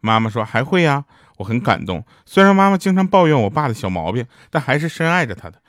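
A young man reels off short comic stories in a lively, bouncy delivery. He jumps his pitch up sharply whenever he quotes someone else. His voice is mid-pitched and sits close and dry, with no room sound. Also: fast talker, no echo. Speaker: joke teller. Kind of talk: telling short comic anecdotes.

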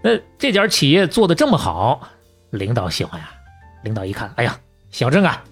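A man with a Beijing accent and a husky voice narrates like a podcast host chatting with a friend. His pitch swings in an animated way, and his delivery is colloquial and folksy. Faint music plays behind him. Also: a little fast. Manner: colloquial and folksy, with proverbs and acted-out asides. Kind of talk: lively conversational storytelling.

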